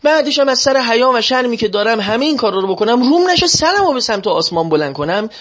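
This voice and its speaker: A man delivers a sermon in a high, husky voice, and his pitch swings widely from phrase to phrase. He draws out the chanted prayer lines slowly, then explains them more briskly, often telling his listeners to pay attention. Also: sing-song, fairly bright tone. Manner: slow, drawn-out chanting of Arabic lines, then quicker plain explanation. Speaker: religious lecturer.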